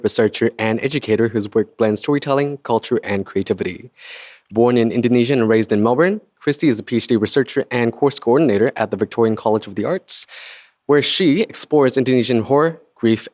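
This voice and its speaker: A man hosting a podcast, introducing his guest and asking questions in a relaxed, chatty way with fillers and restarts. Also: medium pitch, a little fast, no room sound, studio quality. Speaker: podcast host. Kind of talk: casual interview.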